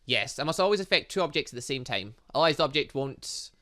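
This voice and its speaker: A man's voice: on the high side, animated, fast, sharp tone. A man voicing a modest, earnest young woman warrior, reading visual novel game dialogue in an explanatory manner. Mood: earnest, explaining.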